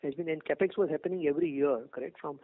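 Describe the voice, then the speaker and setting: A man's voice: on the high side, fairly even intonation, racing. A man with an Indian accent questioning as an analyst on an earnings call, insistent and probing in loosely phrased speech. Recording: tinny phone line.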